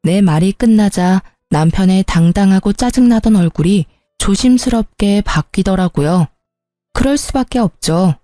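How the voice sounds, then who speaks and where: A woman narrates her own story in a mellow, warm tone, with an indignant, scolding edge. Her voice sounds dry and close to the mic, with faint music playing behind. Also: mid-range voice, normal speed, no room sound. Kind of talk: first-person story narration.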